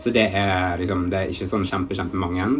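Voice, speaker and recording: Someone with a western Norwegian accent talks at a very fast pace while music plays in the background. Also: man. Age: 20s. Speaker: YouTuber. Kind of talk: casual vlog talk. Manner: hesitant, with many fillers.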